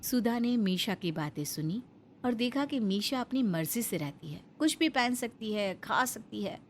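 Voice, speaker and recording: A woman narrates a cartoon story in a calm, scripted way. Her voice sits fairly high, with a faint hiss underneath. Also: a little slow.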